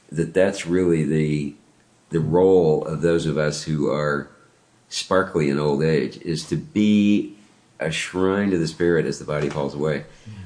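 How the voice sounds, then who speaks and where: With an American accent, a man speaks at a fairly slow pace in a very deep, low pitch, keeping his intonation fairly even. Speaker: consultant and facilitator. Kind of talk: casual interview conversation.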